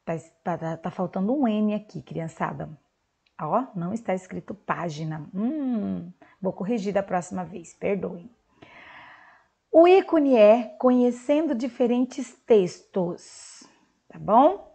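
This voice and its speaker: A woman teaching a recorded lesson to young children in Brazilian Portuguese, speaking clearly and drawing out words for them. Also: mid-range voice, animated, takes it slowly, warm tone. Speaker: primary school teacher.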